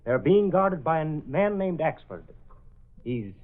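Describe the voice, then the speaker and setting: An actor playing a corrupt, smooth-talking male city inspector in a 1930s radio drama, calm and calculating, on a tinny old broadcast. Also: on the high side, slow pace. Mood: scheming.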